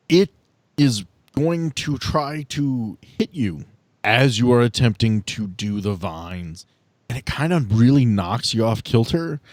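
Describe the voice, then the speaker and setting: A man's voice: medium pitch, dry recording. A man acting as game master, narrating and making rulings in a casual, conversational style.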